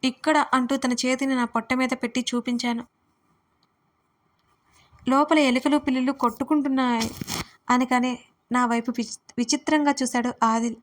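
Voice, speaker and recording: A woman reading a first-person audio story as the storyteller, in a lively, brisk manner. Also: high voice.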